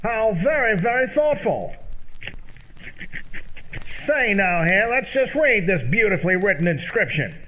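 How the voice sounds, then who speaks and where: A man playing a sly, overpolite, folksy scrounger in an old-time radio comedy, wheedling and flattering as he talks. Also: sits high, a little slow, long pauses, muffled recording, a little hiss or hum. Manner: folksy, flattering, repetitive phrasing.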